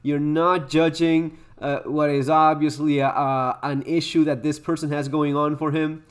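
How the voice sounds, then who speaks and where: A man's voice: a little high, little pitch movement, normal speed, clear, resonant tone. Hesitant man giving reaction commentary. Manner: hesitant, restarts often, opinionated asides. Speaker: YouTube host reacting to a video.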